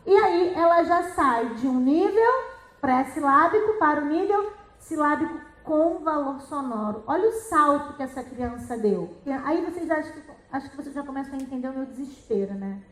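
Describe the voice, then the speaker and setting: A middle-aged woman, an educational psychologist, teaching other teachers in a lively, explanatory way and asking rhetorical questions. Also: high voice, moderate pace. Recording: echoey room.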